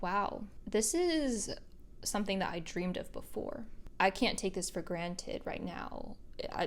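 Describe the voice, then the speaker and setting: A young woman speaks straight to her viewers in a reflective, motivational vlog. Her tone is earnest and upbeat, and she lets out soft laughs as she talks. Her voice sits at an ordinary middle pitch. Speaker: video creator.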